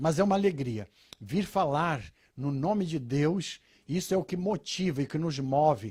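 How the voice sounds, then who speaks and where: A man talks at a fairly high pitch with lively intonation. His pace is fairly slow. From Brazil (from age nine). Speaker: pastor. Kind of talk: church welcome.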